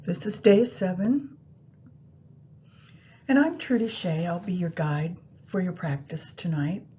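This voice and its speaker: A woman guiding a meditation practice in a soothing, unhurried manner, pausing between phrases. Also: mellow. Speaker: yoga nidra meditation guide. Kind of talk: guided meditation instruction. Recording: muffled, low rumbling background noise.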